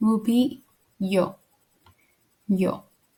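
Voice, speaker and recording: In a Spanish accent, a woman speaks very slowly in a somewhat breathy, medium-pitched voice with ordinary pitch variation. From Spain. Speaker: Spanish teacher. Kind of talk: tutorial. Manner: casual.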